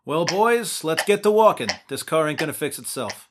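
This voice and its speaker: A man's voice: on the high side, expressive, moderate pace, noisy background. A young man narrating his character's story in a tabletop game. His delivery is dry and a little exasperated. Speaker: player narrating as main character.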